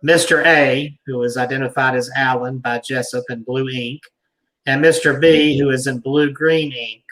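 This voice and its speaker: A man hosting a talk, reading an article aloud deliberately, with emphatic pauses and asides like a storyteller. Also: medium pitch, fairly even intonation, a bit bright, low-quality recording.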